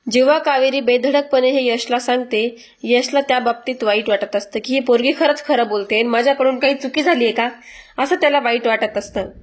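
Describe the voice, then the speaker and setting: A woman's voice: fairly high pitch, steady tone, brisk. A woman narrating a family drama episode recap in a sympathetic storytelling voice-over.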